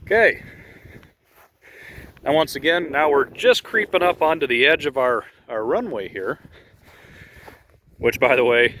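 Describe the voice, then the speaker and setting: A man's voice: medium pitch, lively intonation, unhurried, long pauses, fairly bright tone, a little hiss or hum. A man casually narrating a walking tour outdoors at a grassy field, rambling and chatty with many fillers, recorded on a phone he holds while walking. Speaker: model airplane club member giving a field tour. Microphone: phone held while walking.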